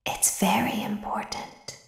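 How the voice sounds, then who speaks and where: A woman voicing an eerie, girlish animatronic clown in a video game, gently and wistfully delivering a softly sinister monologue with measured pauses. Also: whispered, close to an everyday voice. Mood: hushed menacing whisper. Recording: roomy reverb on the voice.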